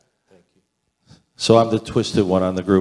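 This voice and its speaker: A man with an American accent speaks in a very deep, low voice. His pace is fairly quick and his intonation fairly even. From Chicago. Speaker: ocean rower and veteran suicide prevention fundraiser. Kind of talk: talk to a church audience. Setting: church sanctuary, stage with audience.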